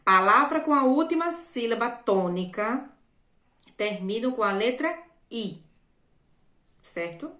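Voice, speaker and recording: A woman's voice: on the high side, lively intonation, slow pace, long pauses, sharp tone, reverberant. A woman, a primary school teacher explaining a workbook lesson to children patiently, repeating herself and often checking "certo?".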